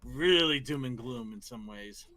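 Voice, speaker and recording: A man's voice: mid-range voice, animated, measured pace, bright, forceful tone. A man co-hosting a casual online show, speaking with enthusiasm. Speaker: podcast co-host. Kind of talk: casual chat.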